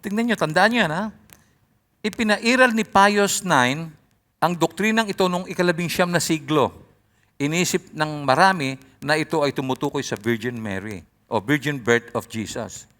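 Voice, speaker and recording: A male pastor preaching a sermon in an animated way, his voice often rising loud. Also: fairly high pitch, normal speed.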